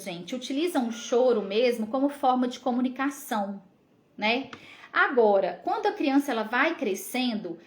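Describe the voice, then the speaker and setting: A Brazilian woman in her thirties, a psychologist explaining parenting in a live lesson, often checking in with tag questions. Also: high-pitched. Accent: Brazilian Portuguese.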